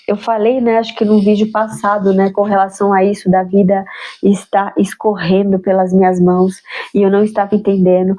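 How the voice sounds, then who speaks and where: A woman's voice: medium pitch, mellow. A woman with a nasal, stuffed-up voice from a cold, reflecting aloud on her spiritual practice in a musing way and adding tag questions to her sentences. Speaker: spiritual vlogger. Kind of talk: reflective personal talk.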